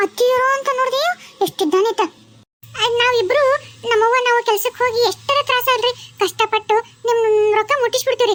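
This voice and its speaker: Over music in the background, a woman does a cartoonish character voice at an extremely high pitch, with fairly even intonation, a moderate pace, and a dry, close sound with no echo. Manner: polite, deferential, respectful address.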